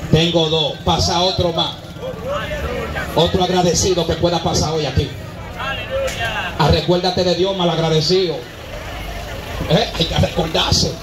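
Fervent preacher man on a loudspeaker. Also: fairly high pitch, heavy background noise. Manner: fervent, calls out commands and prayers, loud bursts. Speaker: street preacher. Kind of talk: open-air evangelistic sermon and prayer. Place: busy city street outdoors. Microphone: handheld microphone through loudspeaker. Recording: echoey outdoor PA sound with loud crowd and music. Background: crowd and music.

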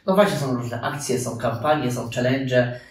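A man in his thirties hosts a seated interview, asking questions and turning to the viewers now and then. His voice is mid-pitched. The recording is roomy and taken from some distance away. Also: steady tone, measured pace. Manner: addresses the audience directly, some fillers. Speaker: interviewer, webinar host. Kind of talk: hosted interview. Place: room with armchairs and radiator, indoors. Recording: echoey room, mic at a distance.

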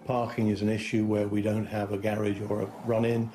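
A man in his sixties explaining plainly in a measured, matter-of-fact way with ums, on a lapel mic. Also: fairly low pitch, completely flat delivery, music in the background. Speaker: house-hunting guest. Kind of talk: interview chat. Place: indoors at home, then outdoors in a field.

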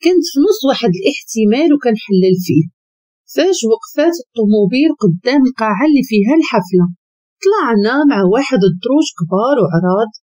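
A woman with a Moroccan Arabic accent telling a first-person story as narrator, voicing the quoted lines higher. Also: warm tone.

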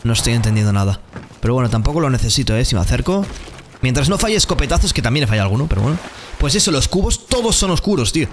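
A young man with a Spain Spanish accent, giving excitable live commentary over his own gameplay, muttering one moment and shouting the next. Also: mid-range voice, racing, slight background noise. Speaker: gaming streamer.

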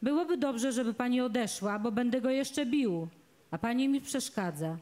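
A woman's voice: fairly high pitch, animated, moderate pace, a little mellow, lightly acted. A woman voicing a furious young man who speaks with bitter defiance.

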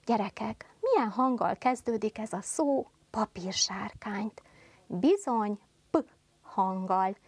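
A woman teacher giving a televised first-grade lesson, speaking slowly and carefully articulating to small children. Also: fairly high pitch, lively intonation, darkish tone, no room sound. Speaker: primary school teacher.

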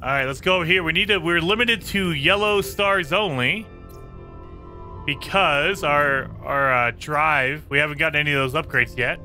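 A man hosting a gaming channel, chatting casually through gameplay, his voice a bit raspy and hoarse today. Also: fairly high pitch, normal speed, sharp tone, faint music behind. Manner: chatty, talks to viewers while playing. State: slightly hoarse.

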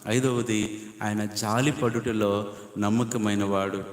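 A man's voice: on the low side, fairly even intonation, takes it slowly. Emphatic male preacher in an echoing hall. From India. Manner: emphatic preaching in repeated numbered points, rising to loud appeals. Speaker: pastor. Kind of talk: sermon. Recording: echoey hall with long reverb.

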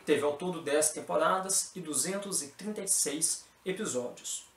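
A man's voice: a little high, moderate pace. A young man with a Brazilian accent, presenting the news in a formal, scripted read from a desk in a small room. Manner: even, formal anchor delivery. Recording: roomy echo with faint music behind.

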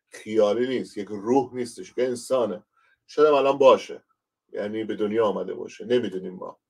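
A man's voice: fairly low pitch, darkish tone, distant mic. A man from Iran, a pastor, giving a conversational online Bible lesson and speaking directly to his listeners as he explains.

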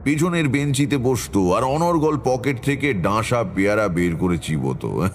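An actor playing a middle-aged tantric astrologer, narrating his past in a measured, reflective way for a horror audio story. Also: medium pitch, very animated, a little hiss or hum, lightly acted. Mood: measured, reminiscing. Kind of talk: dramatic first-person horror story narration. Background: background music.

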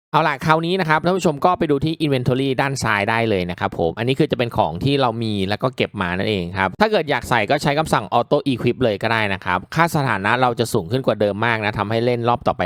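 A man's voice: medium pitch, dry recording, studio quality. Casual man doing game commentary. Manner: excitable, reactive exclamations, polite particles to viewers. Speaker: gaming video host.

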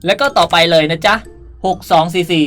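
A woman's voice: lowish voice, fairly quick, a bit bright. Playful woman gaming host over background music. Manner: playful, chatty, cutesy sentence endings. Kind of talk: casual game tutorial commentary, reading out item codes. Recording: music under the voice.

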